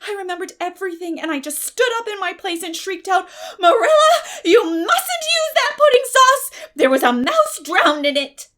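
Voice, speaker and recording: A woman's voice: very high-pitched, very animated, normal speed, hardly any pauses, pushed and bright, voice pushed up, full character voice. A woman voicing a dramatic, effusive young girl in a storybook, with a gushing, wailing manner. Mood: mortified, dramatic.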